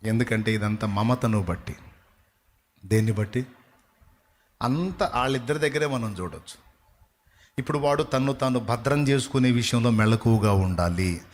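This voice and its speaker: A male pastor preaching a sermon in an animated way, putting questions straight to his congregation. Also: medium pitch, normal speed, pauses often.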